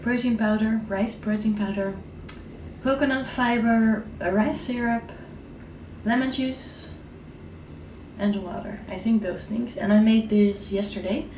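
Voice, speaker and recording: A woman in her thirties with a Dutch accent, a mom chatting casually through a home vlog, her voice raspy from a sore throat and her talk full of fillers and restarts. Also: a little high, measured pace, a little mellow, roomy sound, a little hiss or hum, low-quality recording. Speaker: vlogger, mom. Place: apartment kitchen.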